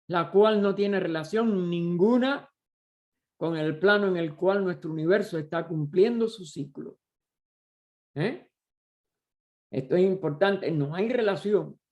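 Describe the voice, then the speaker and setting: A man leading a study group, explaining a text slowly and deliberately, often pausing and restarting as he searches for words. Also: high voice. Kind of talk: slow explanatory study lecture.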